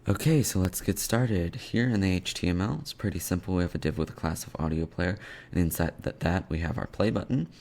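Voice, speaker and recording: A man hosting an informal coding screencast tutorial, thinking aloud in halting short fragments as he works. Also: deep voice, a little mellow. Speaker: web development tutorial host. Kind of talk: informal screencast coding tutorial, explaining steps while typing. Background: computer keyboard typing and clicks.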